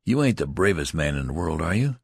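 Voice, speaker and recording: A man's voice: very deep voice, big pitch swings, fairly quick, vocal fry, slightly rough, no room sound, heavily acted. A man voicing a cold, doubtful young soldier who speaks in sour, dry country talk. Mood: sceptical.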